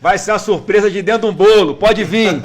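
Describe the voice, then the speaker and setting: A man's voice: sits high, brisk. A man hosting a live birthday stream in a jovial, informal way, introducing guests and surprises. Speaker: host.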